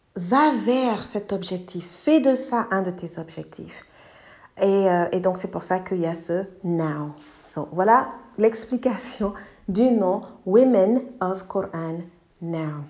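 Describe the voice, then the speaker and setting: With an English accent, a woman of medium pitch speaks at a very slow pace, with lively intonation and long, frequent pauses. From Côte d'Ivoire (Abidjan), American mother. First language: English (speaking French). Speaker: Quran teacher and podcast host. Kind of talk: religious podcast monologue. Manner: halting, many fillers.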